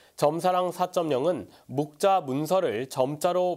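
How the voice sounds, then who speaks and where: A man talks in a high pitch. The background is quiet. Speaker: news anchor. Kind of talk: news reading. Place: studio. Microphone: lapel.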